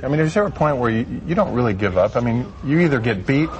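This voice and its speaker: A man with a mid-pitched presenter's voice hosts a live interview. He talks conversationally, with faint noise in the background. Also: animated, fast, rough recording. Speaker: television interviewer, host.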